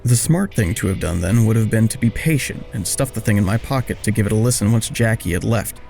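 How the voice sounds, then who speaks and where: A man's voice: on the low side, a little fast, creaky, a little mellow, soft background music. A man narrating a dramatic first-person story in a wry, confessional way.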